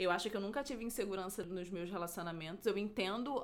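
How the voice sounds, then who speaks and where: In an ordinary speaking voice, a woman speaks at a medium pitch with ordinary pitch variation. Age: 30s. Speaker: podcast co-host. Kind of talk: casual chat.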